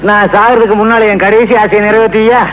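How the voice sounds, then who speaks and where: A male actor playing a dying old ex-gangster grandfather, gruff and commanding, in a film comedy scene. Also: high-pitched, flat delivery, brisk, lo-fi sound, a crowd in the background, close to an everyday voice. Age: older.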